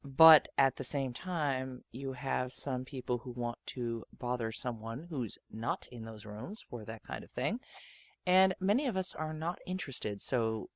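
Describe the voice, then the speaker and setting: Podcast host, medium-pitched voice, dry close sound, talking straight to listeners. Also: a little slow, no room sound. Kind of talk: spoken commentary to listeners.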